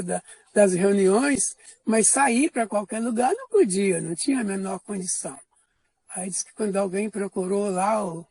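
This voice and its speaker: Husky older Brazilian man recalling his childhood. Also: high-pitched, a little mellow, no room sound. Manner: unhurried, with frequent pauses and restarts. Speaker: interviewee giving a life testimony. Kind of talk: personal storytelling testimony.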